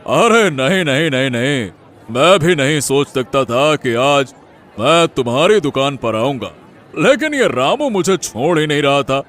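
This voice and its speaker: A man's voice: fairly high pitch, animated, unhurried, fairly bright tone. A man voicing a jovial village householder in a cartoon story, easygoing and chuckling.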